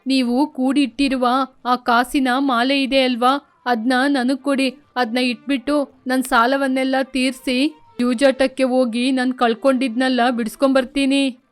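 A woman's voice: high-pitched, flat delivery, unhurried, faint music behind. A woman voicing a reckless gambling grown son who coaxes his mother. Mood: coaxing.

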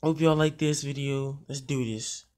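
A man's voice: medium pitch, fairly even intonation, unhurried, darkish tone. A young man introducing his own YouTube video in a rambling, laid-back, slangy way. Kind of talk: casual vlog intro.

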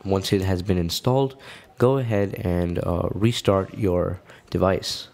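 A man with a fairly low voice hosts a tech tutorial. He explains things step by step in casual, informal language, as someone guiding viewers through a how-to. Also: a little slow, creaky, a little mellow.

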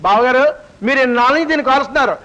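A man's voice: very high-pitched, very fast, pushed and bright, rough recording. An actor playing a fussy, nagging man in a film comedy.

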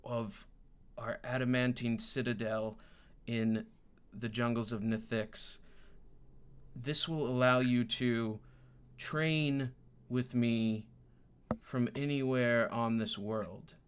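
A man playing a grave, formal monk master in a tabletop game, speaking in slow, deliberate phrases. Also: medium pitch, steady tone, slight background noise, lightly acted. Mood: solemn. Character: grave, measured male monk master of martial arts.

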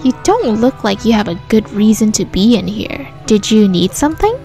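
A woman's voice: medium pitch, big pitch swings, moderate pace, warm tone, soft background music. A woman voicing a creepy, sly male partridge who works as a school doctor in a visual novel, speaking insinuatingly. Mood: dismissive.

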